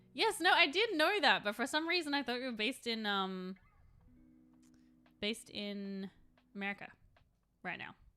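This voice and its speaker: Over music in the background, a woman with a slight Canadian accent speaks in a relaxed tone at a moderate pace, her high voice making very wide pitch swings between long, frequent pauses. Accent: slight Canadian twang. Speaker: streamer, game master. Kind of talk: casual live stream chat. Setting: live stream at home. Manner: chatty, relaxed.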